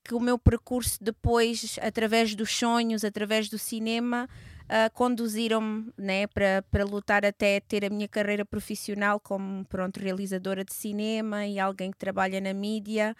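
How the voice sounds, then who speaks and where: A woman in her thirties from Portugal talks as an interview guest, her voice sitting at a middle pitch. She pauses and restarts often, filling gaps with soft hesitations. The sound is dry and close, with no room echo. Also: level tone. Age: 30s. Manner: hesitant, with many fillers and restarts. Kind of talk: conversational interview.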